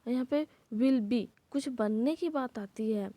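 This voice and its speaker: A woman teaching English, patiently explaining in Hindi and repeating each example sentence slowly and carefully. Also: on the high side, mellow, no room sound. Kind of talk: Hindi-English language lesson.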